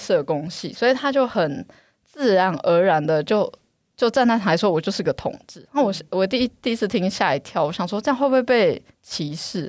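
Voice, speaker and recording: A woman with an ordinary speaking voice and medium pitch talks at a moderate pace with lively intonation, in a very clean recording with a silent background. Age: 30s. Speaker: hotline intern. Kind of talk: casual chat.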